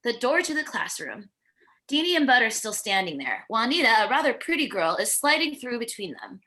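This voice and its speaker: A woman's voice: a little high, sing-song, brisk, pushed and bright, rough recording. A woman narrating screenplay stage directions in a plain descriptive reading, with the occasional stumble, at a virtual table read.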